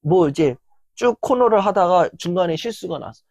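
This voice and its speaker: A lecturer giving a motivational talk while filming, their voice worn down after hours of recording, speaking earnestly and acting out inner voices in sudden loud bursts. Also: medium pitch, lively intonation, normal speed, no echo. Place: filming session.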